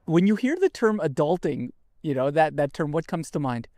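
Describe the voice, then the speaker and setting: A man's voice: a little high, big pitch swings, normal speed, a little mellow, no room sound, studio quality. A man working as a reporter, asking students curious, prompting questions on a university campus. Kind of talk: vox pop interview.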